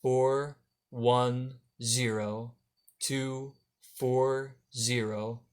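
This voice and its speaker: Man, phone caller, terse answers, very slow, digit by digit. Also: mid-range voice, fairly even intonation, smooth. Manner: terse, reads digits one by one.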